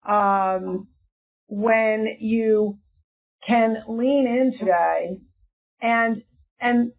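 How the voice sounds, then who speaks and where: A woman analyst on an earnings call presses her questions insistently, with stumbling restarts. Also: medium pitch. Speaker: equity analyst asking questions. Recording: tinny phone line.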